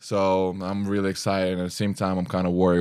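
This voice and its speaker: A man with a Lithuanian accent speaks at a fairly quick pace in a very deep, low pitch with a dark, mellow tone. His intonation is monotone and flat, and the recording is very clean with a silent background. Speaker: college basketball player. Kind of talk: interview.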